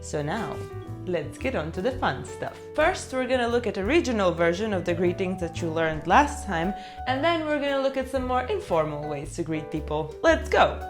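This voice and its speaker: A woman's voice: medium pitch, very animated, moderate pace, music in the background. A young woman with a Latvian accent, a Latvian native speaker, teaching a casual language lesson in a playful, chatty way with wry asides.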